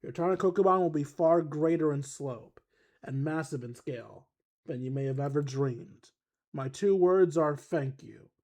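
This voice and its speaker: A player voicing a formal, wistful young man giving a measured farewell speech in a game. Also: mid-range voice, a little mellow, pitched below the performer's own voice, lightly acted. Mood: solemn. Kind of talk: voice acting a game character.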